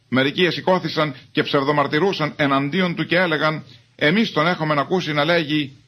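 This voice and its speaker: A man giving a measured, formal reading of scripture as a Bible reader. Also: fairly high pitch, a bit bright.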